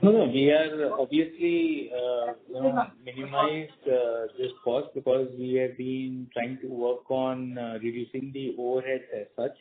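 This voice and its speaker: Halting Indian executive over a phone line. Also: male voice, mid-range voice. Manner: hesitant, halting delivery. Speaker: company executive. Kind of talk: answering questions on an earnings call. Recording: narrow muffled phone line.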